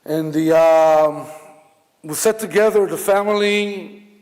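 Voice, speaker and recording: Slow Israeli man in a reverberant hall. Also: a little high, a little mellow. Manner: halting, reflective, many fillers and restarts. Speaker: officiant at a memorial service. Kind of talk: memorial eulogy.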